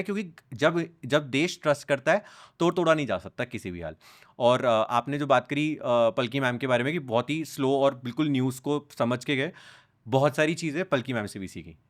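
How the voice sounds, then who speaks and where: A young man, a podcast guest, talking in a casual conversation and telling animated stories as he switches between Hindi and English. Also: medium pitch, normal speed. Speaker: podcast guest, content creator.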